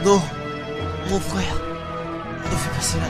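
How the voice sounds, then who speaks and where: A man's voice: sits high, little pitch movement, slow. A man playing a young, hot-headed, plaintive hero in an amateur anime parody. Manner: melodramatic, plaintive. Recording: amateur recording under loud music.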